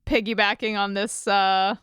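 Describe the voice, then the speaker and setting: A woman's voice: medium pitch, flat delivery, normal speed, a bit bright, clear, resonant tone, no echo, clean studio sound. A woman co-hosting a podcast, casually narrating the beats of an episode in an easygoing way. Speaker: podcast co-host. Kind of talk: casual recap chat.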